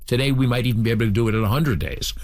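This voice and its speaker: A man's voice: medium pitch, rapid-fire. A man answering interview questions on radio in an earnest, explanatory way, often restarting his sentences. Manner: earnest, explanatory, with repeated starts. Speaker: interview guest.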